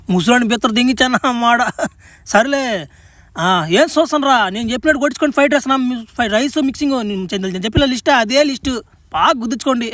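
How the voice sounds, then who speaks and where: A man's voice: extremely high pitch, fairly bright tone, no echo. A man voicing a cocky, crude young male superhero stranded on a strange planet in a comedy cartoon, swearing and laughing as he talks, with a rural Andhra Telugu accent. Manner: foul-mouthed, boisterous, laughs between lines.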